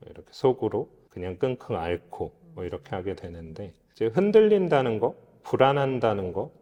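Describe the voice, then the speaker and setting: Recorded in a reverberant, hall-like space, a man with a lowish and slightly mellow voice talks as a guest expert. He explains philosophy thoughtfully and earnestly, in a style close to a lecture.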